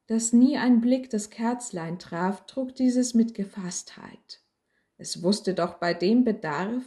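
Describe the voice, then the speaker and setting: A woman reading a rhyming Christmas story aloud as a storyteller, with a slow, measured, gentle recitation. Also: mid-range voice.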